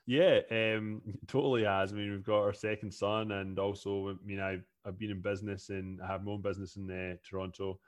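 A man with a Scottish accent talks as a guest on a podcast, his voice sitting fairly low. He is in his thirties and chats freely, often repeating a word before his sentence gets going. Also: level tone, fairly quick, hardly any pauses. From Scotland. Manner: chatty, repeats words when starting sentences. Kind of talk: casual interview chat.

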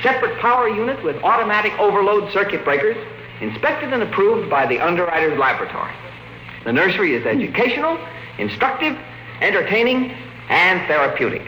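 An enthusiastic sales agent in an old radio drama. His fairly high voice swings widely as he delivers polished, emphatic patter. The vintage recording is echoey and clearly noisy. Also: sing-song, fairly quick, sharp tone, exaggerated voice. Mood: sales enthusiasm. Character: enthusiastic smooth-selling company installation agent, adult man. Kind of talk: 1950s radio drama acting. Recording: noisy, echoing 1950s radio broadcast.

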